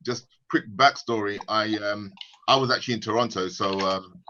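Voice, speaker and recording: A man's voice: fairly low pitch, normal speed, dull audio, a little hiss or hum. A man with a British accent, a guest telling his story casually on a video call, often restarting his sentences. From United Kingdom. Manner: relaxed, conversational with frequent restarts.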